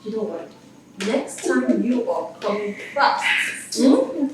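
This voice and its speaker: Actress as proud mum, slow speech, distant echoey sound. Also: female voice, on the high side, expressive, a little hiss or hum. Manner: gushing, praising. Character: proud gushing mother. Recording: echoey, distant, crowd behind.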